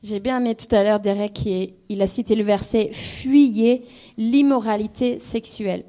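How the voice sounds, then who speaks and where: A woman with an English accent, speaking French, co-presenting a Christian talk in a thoughtful, measured way. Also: mid-range voice, steady tone, warm tone. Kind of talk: conversational teaching talk.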